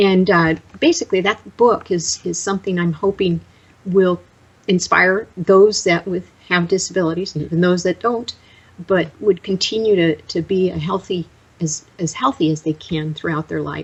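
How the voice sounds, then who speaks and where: Her somewhat breathy voice is fairly low for a woman, moving at a moderate pace with fairly even intonation. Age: 60s. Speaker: adaptive athlete and fitness presenter. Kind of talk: casual chat. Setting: video call. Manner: hesitant, many fillers.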